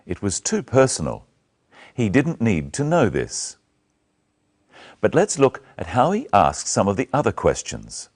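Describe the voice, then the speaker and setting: A middle-aged man teaching English in a deep voice, with lively rises and falls in pitch. He speaks slowly and very clearly, like a scripted lesson. A lapel mic keeps him close. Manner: slow, clear, carefully spoken. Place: small studio set, indoors.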